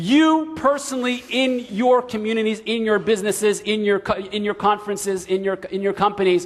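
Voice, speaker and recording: Noticeable background noise surrounds a man talking at a fairly quick pace in an American accent. His high-pitched voice has an animated tone and ordinary pitch variation. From Finland. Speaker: panel moderator. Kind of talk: panel discussion. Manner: animated, repeats words often.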